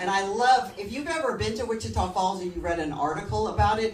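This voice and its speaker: A woman speaks at a medium pitch and a fairly quick pace, her intonation lively, with audible room echo and noticeable background noise. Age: 70s. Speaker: comedian. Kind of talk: stand-up. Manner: conversational.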